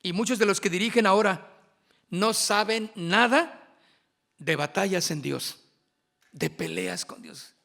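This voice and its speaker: A man preaching at a worship workshop, with emphatic, drawn-out phrasing and asides to his listeners. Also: high-pitched, vocal fry, bright, forceful tone.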